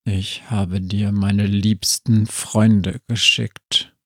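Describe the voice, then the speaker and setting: Weary storybook zombie played by a man, low and slow, dry close sound. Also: level tone, no echo, exaggerated voice. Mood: calm. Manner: slow, low murmur, sometimes whispered.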